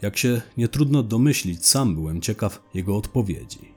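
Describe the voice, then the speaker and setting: Deep, husky man narrating a crime tale. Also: expressive, normal speed, soft background music. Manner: blunt, slangy, with profanity. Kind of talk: first-person crime story narration.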